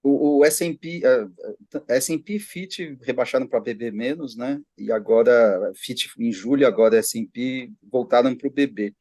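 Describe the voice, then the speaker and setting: A man's voice: mid-range voice, normal speed, a little mellow, no echo. A man commenting on a panel in a matter-of-fact, corrective way. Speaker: economics commentator. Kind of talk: casual panel chat.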